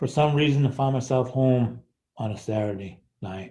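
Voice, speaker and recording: Speaking fairly slowly with an American accent, a man has a somewhat breathy voice and a dark, mellow tone. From Nebraska. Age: 60s. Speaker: probation officer and trainer. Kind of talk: recorded talk. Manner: conversational, with many fillers and repetitions.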